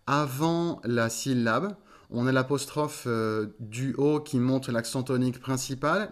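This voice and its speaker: A man, a voice coach, explaining in an interview and often pausing to search for words. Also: mid-range voice. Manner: thoughtful, searching for words with many fillers. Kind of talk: interview conversation.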